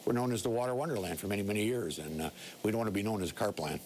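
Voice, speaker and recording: A man's voice: lowish voice, racing, darkish tone. An American man giving an informal interview, plainspoken and rambling, with some background noise. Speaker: local business owner being interviewed. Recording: light background ambient noise.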